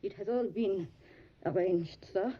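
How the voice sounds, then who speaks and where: A woman playing a hospitable, anxious Transylvanian innkeeper in an audio drama, with an Eastern European accent and halting, solicitous phrasing. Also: medium pitch, husky. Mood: anxious, warning. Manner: halting foreign phrasing, tag questions, solicitous. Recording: dull lo-fi audio, faint music. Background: music.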